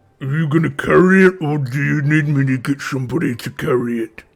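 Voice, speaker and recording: In a put-on character voice, a man talks at a fairly quick pace with a fairly high pitch. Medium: actual play. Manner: gruff, clipped broken speech.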